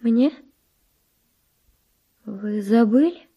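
An actress playing a devout, grieving young Spanish noble widow, soft, solemn and reserved, in a verse radio drama. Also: female voice, a little high, drawn-out words, breathy edge, lo-fi sound, full character voice. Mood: confused, wary.

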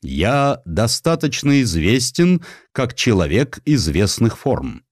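A man voicing a self-satisfied, ambitious cavalry officer turned official, with a pompous, deliberate manner, in an audiobook. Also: mid-range voice, very animated, dry recording, clean studio sound.

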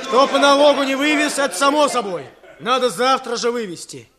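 An extremely high-pitched man speaks a little fast amid crowd noise, playing Kuzma in a radio play. As the earnest rural Soviet village chairman, he persuades and coaxes the peasants at a meeting with a firm hand.

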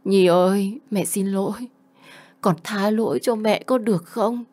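A woman's voice: medium pitch, measured pace, a little mellow, natural voice. A woman voicing a middle-aged mother who speaks in a choked, pleading way, full of remorse and begging her daughter's forgiveness.

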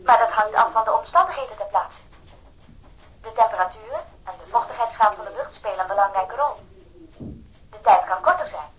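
A woman's voice: medium pitch, expressive, brisk, pauses often, dull audio, lightly acted. An actress playing a cooperative female pathologist who speaks in a precise, formal, cautious way, in radio drama dialogue.

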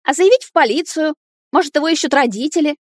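A woman voicing a shrill, indignant young woman who squeals and fires off demanding questions. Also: quick pace, darkish tone, dry recording, clean studio sound, lightly acted.

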